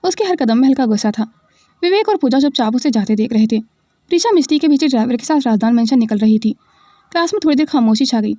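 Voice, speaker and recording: Lady storyteller, expressive, high voice, dry close mic. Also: fast talker, no echo. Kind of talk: scripted story narration.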